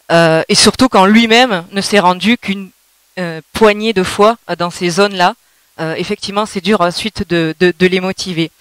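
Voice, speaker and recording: A woman's voice: mid-range voice, no room sound. A woman speaking from the audience, making an impassioned public remark and putting questions to a panel.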